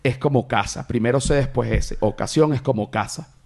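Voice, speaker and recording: A man hosting a podcast in a relaxed chat, quick and animated, laughing often as he tells stories. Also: mid-range voice, gravelly. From Venezuela. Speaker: podcast host. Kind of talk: casual chat.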